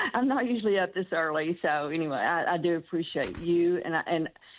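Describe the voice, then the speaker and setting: A woman with a Texan accent speaks in a fairly low voice. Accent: Texan Southern US. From Texas. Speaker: caller. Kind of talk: call-in talk. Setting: phone call.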